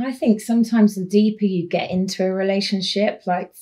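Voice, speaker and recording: A woman speaks in a dark, mellow tone at a moderate pace. Her pitch varies in an ordinary way. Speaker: panel guest. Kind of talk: casual panel discussion. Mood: reflective, candid about breakup. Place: studio.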